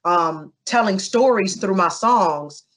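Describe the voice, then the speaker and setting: A young adult woman answering interview questions in a casual, animated way, telling stories with asides to the listener. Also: mid-range voice, takes it slowly, poor audio. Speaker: interview guest.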